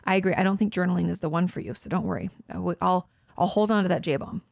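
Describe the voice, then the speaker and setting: A woman with a crackly edge to her voice, like the counselor host of an online advice show answering questions close up in a dry, quiet room. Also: fairly low pitch, fast talker, vocal fry, no echo. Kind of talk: casual explanatory advice, reading questions aloud.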